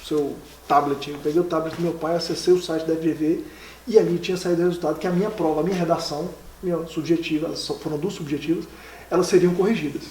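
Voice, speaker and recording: A man being interviewed, telling a personal story in a casual, lively and emotional way, with many fillers. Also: on the high side, quick pace, slight background noise. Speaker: interview guest, exam candidate. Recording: echoey room, mic from a distance.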